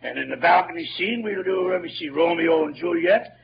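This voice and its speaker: A man's voice: a little fast, creaky, noisy background. A man voicing a grandiose, self-pitying old con-man actor with a pompous, theatrical manner, in a 1940s radio play. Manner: booming carnival barker when drumming up crowds. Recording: dull lo-fi old radio recording with music.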